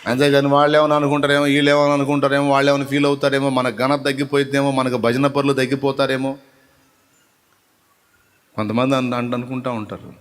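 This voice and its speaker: Male preacher, mid-range pitch, emphatic and rhythmic, long church reverb. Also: little pitch movement, fast talker. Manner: emphatic preaching, swings between soft and loud repeated phrases. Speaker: pastor. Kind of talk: Sunday sermon. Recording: echoey hall reverb.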